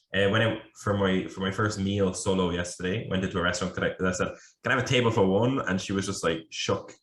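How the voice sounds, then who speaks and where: A man with an Irish accent talks at a very fast pace in a somewhat breathy voice, his pitch fairly low and his intonation fairly even. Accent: Irish accent noticed abroad. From Ireland, Dublin. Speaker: podcast co-host. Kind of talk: casual chat.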